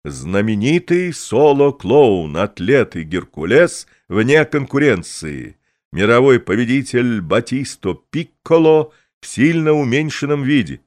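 A man voicing a boastful grown male circus clown who announces his acts to the crowd in a pompous, drawn-out showman's voice. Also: mid-range voice, big pitch swings, darkish tone, voice pushed up. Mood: announcing.

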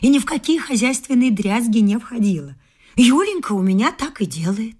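A woman's voice: a little high, sing-song, normal speed, darkish tone. An actress in a radio play voicing a domineering, grasping middle-aged mother-in-law who scolds emphatically and haughtily. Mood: scolding, lecturing. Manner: scolding, emphatic nagging with whispered scorn. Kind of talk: theatrical radio drama acting.

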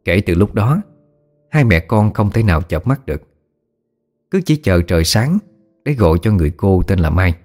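A man reading a scripted horror story in a dramatic, expressive way. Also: sits low, normal speed, pauses often, faint music behind.

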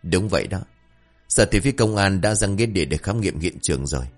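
Male horror narrator, low voice, lively dramatic delivery, faint music bed. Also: fast. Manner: dramatic, expressive. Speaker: storyteller.

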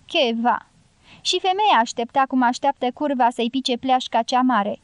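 A woman reading the part of a tipsy male gypsy guerrilla who keeps urging in a low, insistent voice. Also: expressive, no echo. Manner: urgent low prodding, half-whispered.

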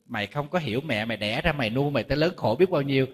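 A man's voice: medium pitch, lively intonation, racing, natural voice. A man with a Southern Vietnamese accent voicing a bitter, reproachful middle-aged mother scolding her child. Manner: harsh, reproachful. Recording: long reverb hall.

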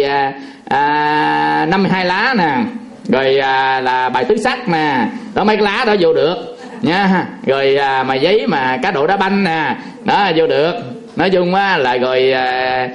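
Monk guy, kinda high voice, rambling folksy sermon story w/ lots of chuckles and fillers. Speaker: Buddhist monk.

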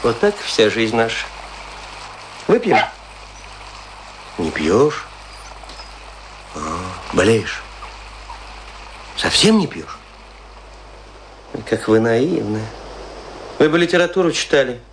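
An actor in a radio play monologue, playing a tipsy, self-pitying provincial actor who declaims and muses aloud. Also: male voice, medium pitch, sing-song, slow pace, pauses often, background noise. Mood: wry, confiding. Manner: declamatory, musing aloud, swinging between grand and intimate.

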